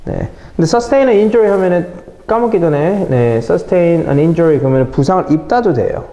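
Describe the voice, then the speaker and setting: A middle-aged man teaching English vocabulary in a lively classroom lecture, mixing English phrases into his explanations and talking to his students as kids. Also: a little high, moderate pace, dull audio. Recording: echoey classroom with faint noise.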